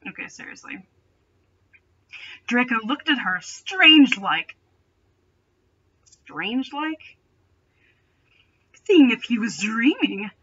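A woman's voice: a little high, sharp tone, husky, highs cut off. A young adult woman reading a story aloud with dramatic delivery and sarcastic, mocking asides. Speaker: host reading fan fiction aloud. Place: small bedroom, indoors.

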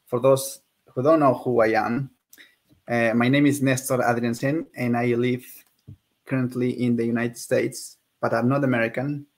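A young man who grew up in Peru hosts a casual interview over a video call. His voice sits at a plain middle pitch, and he keeps things friendly and easygoing. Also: level tone, normal speed. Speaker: interview host.

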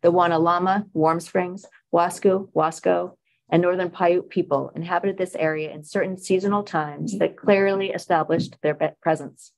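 A woman's voice: lowish voice, steady tone, moderate pace, creaky, poor audio. A woman commissioner reading a formal statement aloud carefully at a public meeting. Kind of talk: reading a land acknowledgment.

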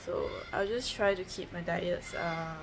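Recording herself on a phone at arm's length, a young vlogger chats casually at home about her diet. Her voice sits on the low side and stays unhurried, and she's matter-of-fact and rambling, with plenty of fillers and restarts in a noisy home recording.

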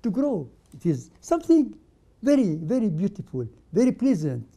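An older man whose first language is Arabic presents a religious program as a patriarch, giving a slow spoken sermon in short, emphatic phrases with many pauses. His voice is high, sing-song and mellow.

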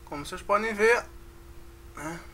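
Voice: medium pitch, a little slow, a bit bright, a little hiss or hum. A music teacher with a Brazilian Portuguese accent, giving a casual online lesson, counting beats aloud and checking in with the class.

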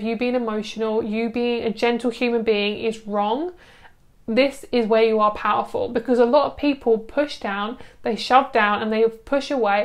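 A young adult woman giving a chatty, soothing tarot card reading to camera, gushing over the cards with lots of fillers. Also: a little high.

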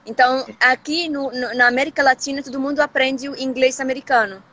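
A woman's voice: sits high, steady tone, a little fast, a bit bright. A woman from Morocco with a Moroccan accent, a language teacher chatting casually as a guest, often restarting her sentences. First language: Moroccan Arabic. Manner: speaks with many restarts and small hesitations. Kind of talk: casual live chat.

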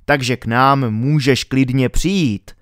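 A man voicing a calm adult spaceship captain who speaks in a reassuring, measured way. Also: mid-range voice, no room sound, clean studio sound, close to an everyday voice.

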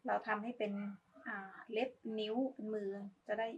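A woman's voice: medium pitch, flat delivery, moderate pace, slightly rough, lo-fi sound. A woman giving a casual, polite step-by-step craft tutorial, talking as she demonstrates. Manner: informal, polite, talks while demonstrating.

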